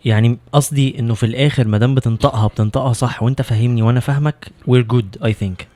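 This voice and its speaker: A man's voice: medium pitch, fairly even intonation, rapid-fire, warm tone, no echo. A man with an Egyptian Arabic accent, hosting a casual podcast interview, who agrees often and mixes in English words. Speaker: podcast host.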